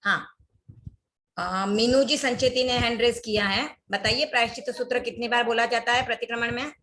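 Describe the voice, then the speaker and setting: A woman's voice: on the high side, steady tone, normal speed, fairly bright tone, rough recording. A young woman teaching an online class, reciting prayer words one at a time and repeating each twice for her students.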